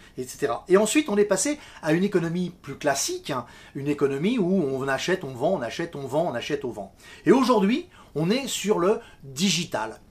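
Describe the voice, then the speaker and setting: Very wide pitch swings at a fairly quick pace. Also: man, high pitch for a man. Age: 60s. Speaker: business coach YouTuber. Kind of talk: vlog monologue.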